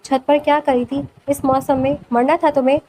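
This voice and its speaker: A woman's voice: high-pitched, little pitch movement, a little mellow, slight background noise, close to an everyday voice. A woman voicing a stern, protective young man. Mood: scolding. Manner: curt, commanding lines.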